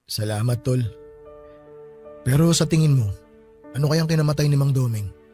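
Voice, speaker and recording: A man's voice: mid-range voice, normal speed, mellow, close to an everyday voice. An actor playing a superstitious young man at a wake in a radio drama. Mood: somber. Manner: casual, superstitious talk. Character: young man friend at a wake, jumpy, sees spirits. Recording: faint music under the voice.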